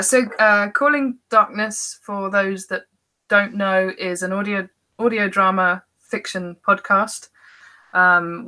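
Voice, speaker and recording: A woman's voice: lowish voice, sharp tone. A woman guest in a casual podcast conversation, talking as a writer in a hesitant, self-reflective manner.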